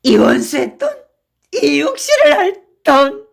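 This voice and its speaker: A woman's voice: sits high, wildly swooping pitch, measured pace, vocal fry, pitched above the performer's own voice, heavily acted. A boisterous drunken rickshaw man of middle age, bellowing and slurring his words, as a woman acts him out. His voice leaps up and down wildly from boast to sob. A storybook reading brought to life. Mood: drunken bluster. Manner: shouting, slurred drunken bluster.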